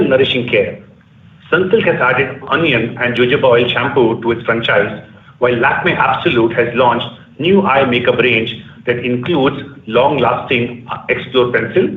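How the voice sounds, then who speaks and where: A man with an Indian accent giving a prepared, formal and measured financial presentation as a company executive on a conference call. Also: medium pitch, a little hiss or hum. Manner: formal, measured corporate delivery. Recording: distant, echoey phone-like conference line.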